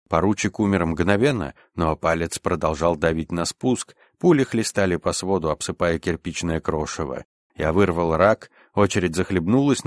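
Deep-voiced male audiobook narrator. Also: no room sound, clean studio sound. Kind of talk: scripted narration.

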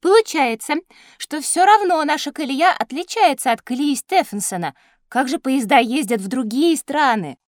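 A woman's voice: high voice, animated, moderate pace, no room sound. A woman voicing a thoughtful young schoolgirl who asks careful questions in a studio children's audiobook. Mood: curious. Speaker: child character asking questions. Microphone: studio microphone.

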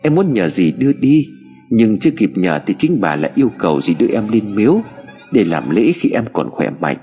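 A man's voice: on the low side, big pitch swings, a little fast, warm tone. A man narrating a story expressively. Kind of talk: scripted narration. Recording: hall reverb with music bed.

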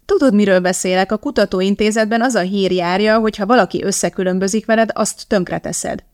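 A woman voicing a sharp, skeptical young woman chemist in an audiobook, with a pointed, questioning manner. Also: medium pitch, no echo, studio quality, natural voice. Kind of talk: audiobook character voice.

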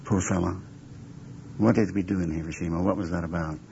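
A man muses aloud in an interview. His deep voice is gravelly, recorded dully with faint noise behind it. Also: steady tone, a little fast, dark tone. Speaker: interviewed commentator. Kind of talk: reflective conversational interview talk. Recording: muffled archive recording with background noise.

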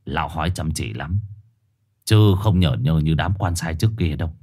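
A man voicing a bossy, gruff black four-eyed street dog with a hoarse, raspy voice. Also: rumbling low, moderate pace, darkish tone, voice pushed down. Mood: low, conspiratorial. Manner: growling, rough, condescending.

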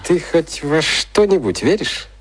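A man's voice: fairly high pitch, big pitch swings, unhurried, slightly rough, full character voice. A male actor in a radio drama playing a youngish, jovial and sly boss who talks bluntly and mockingly. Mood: probing, mocking.

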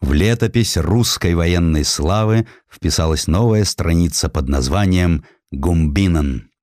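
A man reading a scripted historical narrative in an expressive, emphatic storytelling manner. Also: low-pitched, measured pace, no room sound, studio quality. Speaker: audiobook narrator.

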